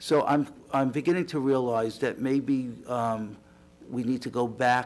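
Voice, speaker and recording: Speaking at a medium pitch, a man has a New York accent. His pace is fairly slow, and his pitch varies in an ordinary way. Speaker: school superintendent. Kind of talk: formal report at public meeting. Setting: school board meeting.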